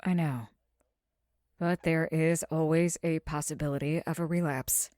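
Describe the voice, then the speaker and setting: A woman playing a concerned doctor in a naturalistic audio drama, measured and careful, gentle but firm. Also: low voice, steady tone, no room sound, clean studio sound. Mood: careful, grave. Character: concerned, tactful female physician.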